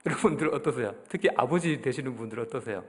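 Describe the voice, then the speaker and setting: A man's voice: mid-range voice, lively intonation, fast talker. A middle-aged man with a Gyeongsang accent preaching a conversational sermon to his congregation, often putting questions to them. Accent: Daegu Gyeongsang Korean. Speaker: pastor. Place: church sanctuary.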